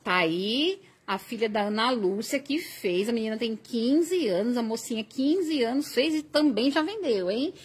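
A woman's voice: on the high side, expressive, a little slow, hardly any pauses, husky. A Brazilian woman teaching crochet on a live stream, chatting and reading viewer comments aloud. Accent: Brazilian Portuguese.

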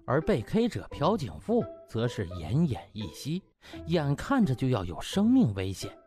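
A man's voice: medium pitch, huge pitch swings, moderate pace, mellow. Casting: male audiobook narrator, comic and theatrical, extremely varied intonation, music bed. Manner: theatrical, uses sound words and exclamatory particles. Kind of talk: comic dramatized storytelling.

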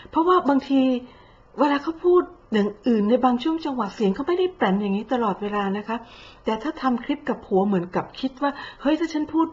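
A woman with a slightly high voice delivers sarcastic commentary, blunt and mocking, with coarse slang. The sound is a bit dull and lo-fi. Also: darkish tone. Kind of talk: sarcastic social media commentary.

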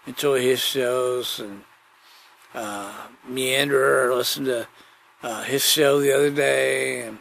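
A man's voice: mid-range voice, steady tone, takes it slowly, gravelly, a bit bright. A man chatting casually on his own as a podcast host, folksy and digressive, often circling back to repeat his phrases. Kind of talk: rambling casual solo chat.

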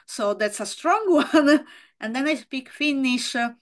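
A woman's voice: high voice, animated, a little slow. A woman in her thirties with a strong Italian accent, casually hosting an interview over a video call from home. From Italy. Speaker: podcast host.

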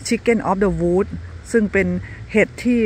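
A woman's voice: mid-range voice, steady tone, slow pace, a little hiss or hum. A middle-aged woman from Thailand narrating a casual vlog in a polite, chatty manner, with English words mixed in. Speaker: vlogger. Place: woods in Virginia.

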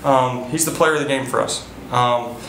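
After the game, a baseball manager in his thirties answers reporters' questions in a gravelly, fairly bright mid-range voice at a moderate pace. He's earnest, repeats himself, and uses frequent fillers and restarts. The low-quality recording has an echoey room sound and a little hiss or hum, and was made in an indoor press room before a sponsor backdrop.

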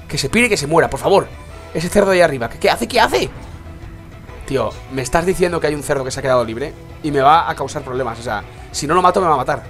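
Young man, congested, gaming commentary, muttering then yelling, lively pitch. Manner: swings from muttering to excited outbursts. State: congested with a sore throat. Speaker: gaming YouTuber. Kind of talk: let's play commentary.

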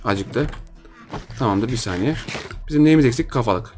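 A young man giving jokey, excitable Minecraft gameplay commentary, talking to viewers and teasing his opponents. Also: mid-range voice, normal speed, soft background music. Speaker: gaming YouTuber.

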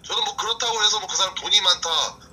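A man's voice: high-pitched, fast talker, bright, forceful tone, a little hiss or hum, low-quality recording. A man in his thirties, a streamer guest boasting and trash-talking with swearing in a casual livestream chat in an indoor room.

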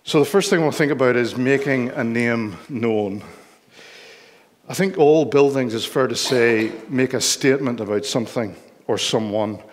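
An older man with a Northern Irish accent preaching a sermon in a measured, explanatory way from a church stage. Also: mid-range voice. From Northern Ireland. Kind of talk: sermon with Bible reading. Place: church hall, speaking from lectern on stage. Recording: long hall reverb.

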